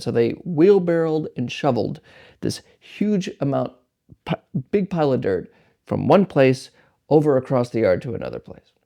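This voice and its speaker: A male meditation teacher in casual storytelling mode, loose and chatty. His mid-range voice carries a gravelly fry and a dark, mellow tone. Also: medium pitch. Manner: relaxed, conversational, frequent fillers and restarts.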